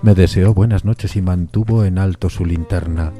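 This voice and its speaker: A man narrating a gothic suspense story from a script in a measured, solemn storytelling manner. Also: deep voice, fairly even intonation, mellow, soft background music.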